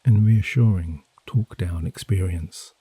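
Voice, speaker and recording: A soft-spoken man guiding a sleep hypnosis session in a hushed, soothing, measured way with gently drawn-out phrases. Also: deep voice, slightly rough, no room sound. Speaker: hypnosis and meditation guide. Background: gentle rain sounds.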